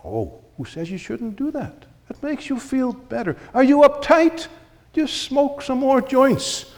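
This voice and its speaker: A man voicing a sly male devil who tempts and mocks in a coaxing, high, airy tone, in an echoey hall. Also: animated, unhurried, full character voice.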